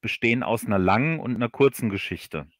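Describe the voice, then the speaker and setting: A man with a fairly low voice, recorded close and dry. He explains things in casual interview style, halting and circling back to repeat words as he builds his point. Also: a bit bright, no room sound. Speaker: guest audio drama writer. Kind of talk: casual interview chat on a livestream.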